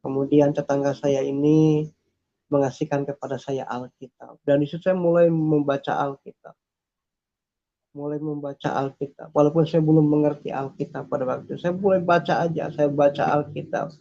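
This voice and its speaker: A man's voice: fairly high pitch, fairly even intonation, normal speed, gravelly, dark tone. A man telling his personal faith testimony in an earnest, repetitive way, with frequent hesitations. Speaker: testimony speaker. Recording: dull lo-fi recording.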